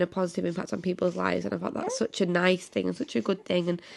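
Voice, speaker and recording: Talking at a very fast pace over noticeable background noise, a woman with a Yorkshire accent speaks at a medium pitch. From northern England, Leeds, Yorkshire. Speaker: family content creator. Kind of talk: casual chat.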